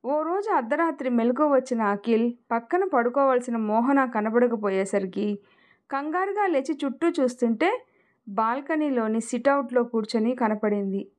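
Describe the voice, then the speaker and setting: A woman narrating an emotional family story in a measured storytelling manner. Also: a little high, expressive, a little mellow.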